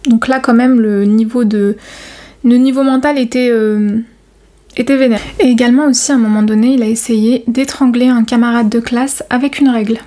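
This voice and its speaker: A woman recounts a true crime case for her viewers. Her voice sits a little high, and she talks casually, with frequent hesitations and slangy asides. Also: steady tone, normal speed, mellow. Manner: chatty and informal, many fillers and slang. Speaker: YouTuber telling a true crime story.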